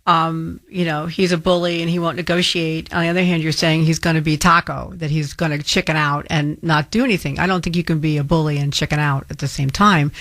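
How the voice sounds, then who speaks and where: A woman's voice: low voice, fairly even intonation, fairly quick, hardly any pauses, fairly bright tone, no room sound. A woman filling in as a talk radio host, firmly rebutting a caller with frequent ums. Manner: firm and argumentative, with frequent ums.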